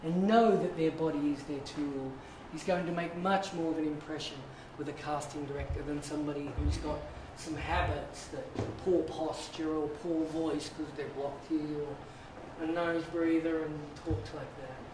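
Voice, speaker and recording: A man coaches his acting class, encouraging and drawn-out. His voice sits a little high. He is heard from across an echoey, noisy studio. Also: steady tone. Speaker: acting teacher. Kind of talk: guiding a class warm-up. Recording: echoey room, distant mic, noisy.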